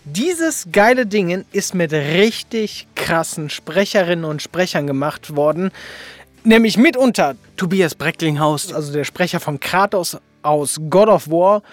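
A woman's voice: lowish voice, lively intonation, a little slow, no echo. A woman hosting a casual interview podcast, talking in a gushing, slangy and emphatic way. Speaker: podcast host. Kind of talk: casual, promotional interview talk.

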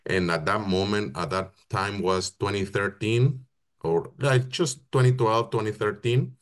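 Low-pitched man, interview guest, halting and thoughtful delivery. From Mexico. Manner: searching for words, many pauses and restarts. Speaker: football operations project manager, guest. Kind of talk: casual interview answers.

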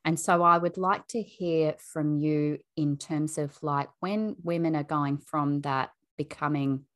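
A woman and mother hosting an interview, speaking in a thoughtful, measured and affirming way. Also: sits low, steady tone. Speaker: podcast host. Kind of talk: reflective interview chat.

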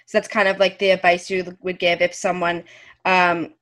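A woman's voice: fairly low pitch, little pitch movement, moderate pace, fairly bright tone. A woman hosting a casual interview, asking friendly, curious questions. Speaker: host.

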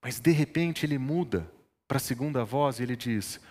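A man's voice: medium pitch, a little fast, darkish tone. A male pastor preaching a sermon, telling stories from his childhood and building to emphatic teaching. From northern Brazil. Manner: storytelling, rising to emphatic preaching. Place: church. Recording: long church reverb.

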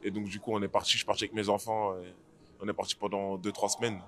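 Homme hésitant à la voix grave. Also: male voice, lowish voice, level tone, quick pace. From France. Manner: hesitant, many fillers and restarts. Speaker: MMA fighter, guest. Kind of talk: casual interview answers.

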